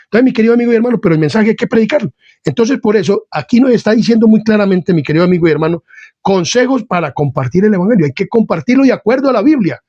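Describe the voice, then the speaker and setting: A man with a high voice for his sex preaches an informal sermon straight to his viewers, blunt and hard in delivery, and he keeps calling his listener dear friend and brother. The sound is dry and close, with a slightly dull, lo-fi tone. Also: lively intonation, rapid-fire, breathy edge, no room sound. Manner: insists he is not angry while speaking forcefully. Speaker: lay preacher. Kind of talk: informal sermon to an online channel.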